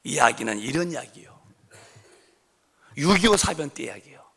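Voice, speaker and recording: A man preaching in a church, with a heavily gravelly, crackling voice. His pitch swings widely as he tells a moving story and presses the congregation with rhetorical questions. His tone is bright and slightly high. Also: animated, moderate pace. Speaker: pastor. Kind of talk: sermon. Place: church sanctuary.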